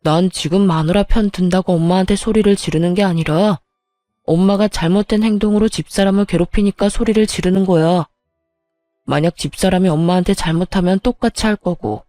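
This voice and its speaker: A firm, protective husband, voiced by a woman reading a story, blunt and steady, with a slightly lowered voice. The sound is mellow and close. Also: a little fast, no echo, faint music behind, natural voice.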